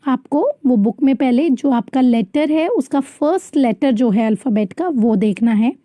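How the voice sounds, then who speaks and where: A woman teacher giving a grammar lesson, reading English sentences slowly and then explaining them quickly in Hindi. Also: high voice, mellow, no room sound. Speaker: school teacher.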